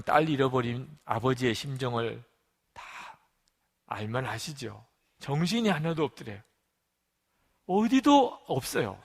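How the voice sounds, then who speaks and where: A man preaching a sermon as pastor, telling a story and moving between raised, forceful lines and quiet, hushed ones. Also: mid-range voice, big-room sound. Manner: storytelling with acted quotes, swings between loud and hushed. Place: church sanctuary.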